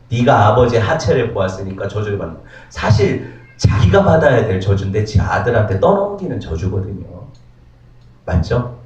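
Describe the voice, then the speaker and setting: A male pastor preaching a sermon, throwing many rhetorical questions at the congregation. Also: on the high side. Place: church sanctuary. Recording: roomy, distant, dull church recording.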